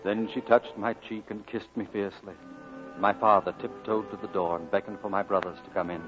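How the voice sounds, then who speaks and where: A man's voice: fairly low pitch, fairly even intonation, a little fast, lightly acted. An actor playing a grown Welsh man solemnly narrating memories of boyhood in a radio drama. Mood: tender. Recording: muffled old radio, music behind.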